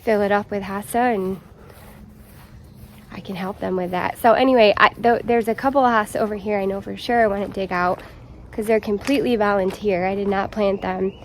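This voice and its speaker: Excited chatty woman outdoors in her garden. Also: mid-range voice, brisk, a little hiss or hum. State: slightly out of breath. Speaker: gardening vlogger. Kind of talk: casual vlog chat.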